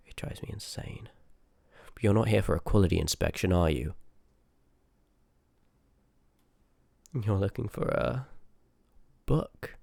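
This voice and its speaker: A man's voice: low-pitched, vocal fry, darkish tone, no echo, full character voice. A man voicing a rude, sarcastic, reluctant sorcerer of a haunted house in a scripted ASMR roleplay, grumbling and dismissive, close on the microphone. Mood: sarcastic, weary.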